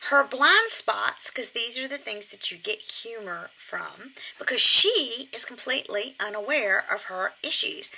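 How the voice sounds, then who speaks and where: Very bright, animated woman teaching comedy. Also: fairly high pitch, a little slow, creaky, hardly any pauses, poor audio. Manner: chatty, digressive, addresses her puppet. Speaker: comic ventriloquist teaching puppetry. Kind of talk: informal instructional talk.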